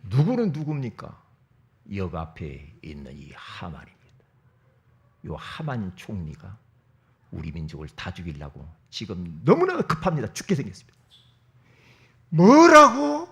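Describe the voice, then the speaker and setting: A male pastor preaching a sermon as dramatic storytelling, swinging between whispers and shouts. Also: low voice, wildly swooping pitch, moderate pace.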